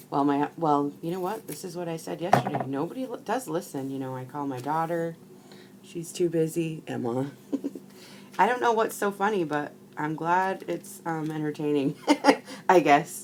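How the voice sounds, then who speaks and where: Over noticeable background noise, a loud woman with a very deep, low pitch speaks at a moderate pace with lively intonation. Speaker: crafting video host. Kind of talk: casual chat. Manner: talkative; loud laugh. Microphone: too quiet for some viewers.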